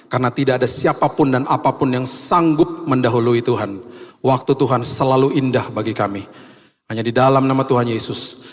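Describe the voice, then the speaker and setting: A male pastor telling a lively personal story in a sermon and closing in prayer, acting out the dialogue. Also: medium pitch, in a large hall. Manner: animated, acts out dialogue.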